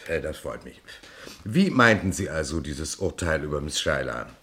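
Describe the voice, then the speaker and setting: An actor playing a shrewd police commissioner in a German radio crime drama, questioning with hesitant, probing murmurs. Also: male voice, a bass voice, sing-song, moderate pace, bright, forceful tone, full character voice.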